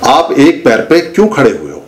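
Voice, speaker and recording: A man's voice: medium pitch, huge pitch swings, normal speed, a little hiss or hum. A man voicing a curious male mouse leader in a told folk tale, asking cautious, polite questions.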